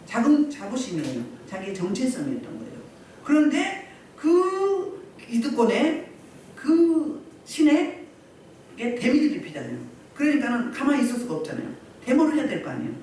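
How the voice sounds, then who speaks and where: A woman pastor preaching a sermon at a healing service, telling the story with lively voices for the crowds she describes. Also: high-pitched, normal speed, a little hiss or hum. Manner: animated, acts out crowds and quotes. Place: church meeting room. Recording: echoey hall, distant mic.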